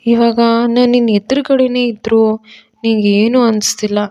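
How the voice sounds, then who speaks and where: Woman doing a scheming young woman, theatrical, wheedling, higher pitch, storybook audio drama. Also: steady tone, unhurried, dark tone, muffled recording, lightly acted.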